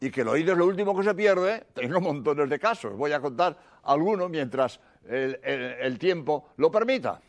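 A priest preaches in a high, strongly rising and falling voice. He repeats his points with earnest insistence and sinks to a soft murmur when he recites prayers. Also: lively intonation, moderate pace. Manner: earnest, repetitive, drops to a hushed murmur for prayers. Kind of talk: sermon.

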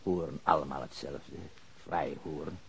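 Low, husky, bitter man. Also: fairly even intonation, normal speed, a bit bright, full character voice. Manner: terse, hesitant, disillusioned. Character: bitter foreign labourer, man, reluctant police witness. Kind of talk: audio drama acting.

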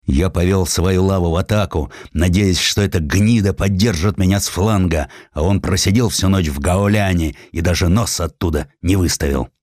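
A man's voice: low-pitched, moderate pace, few pauses, a little mellow, no room sound, studio quality. A man voicing a burly, middle-aged cavalry general with a blunt, soldierly manner in a historical audiobook. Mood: angry.

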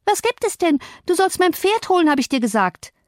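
A woman voicing a spoiled, imperious young girl who is quick to tears, in an audiobook. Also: sing-song, no echo, clean studio sound. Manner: bossy, shrill, indignant.

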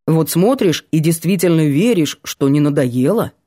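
A woman with a low, mellow voice reads a first-person story in an even, measured way. The recording is dry and close, from a studio mic. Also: no echo. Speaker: audiobook narrator. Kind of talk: first-person audiobook narration.

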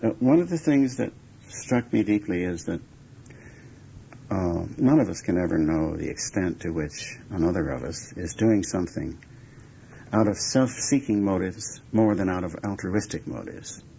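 A man giving reflective interview answers in deliberate, emphatic, measured phrases. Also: low voice, expressive, vocal fry, mellow. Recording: dull lo-fi recording with background noise.

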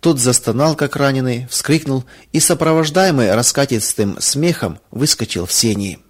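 A man narrating a Christian children's story in a calm, measured way. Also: mid-range voice.

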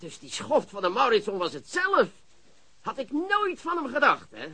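An actor playing an excitable, gleeful police chief in a radio drama, exclamatory and quick to repeat himself. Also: male voice, very high voice, husky, heavily acted. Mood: gleeful, scheming.

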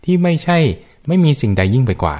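A man who is a Buddhist monk, patiently explaining teachings on a radio Dhamma discussion, with many soft fillers. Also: medium pitch, very animated, fast talker. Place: radio studio.

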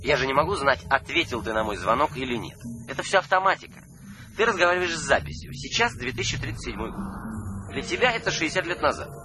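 A man's voice: a little high, very animated, fast, rough recording. An actor playing a cocky, cruel twenty-year-old man in a radio drama, mocking and breezy in manner. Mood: breezy, self-satisfied. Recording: background music under the voice.

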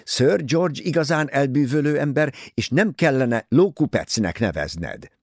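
A man's voice: medium pitch, huge pitch swings, a little mellow, slightly rough, dry recording, clean studio sound, pitched above the performer's own voice, heavily acted. A man voicing a prim, disapproving older English mother in an audiobook, scolding and easily offended.

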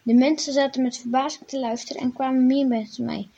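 A woman reads a children's Bible story aloud in a plain storytelling voice, then speaks directly to the young listeners. Her voice sits high. The recording sounds dull and lo-fi. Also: fairly even intonation, a little fast, warm tone, husky.

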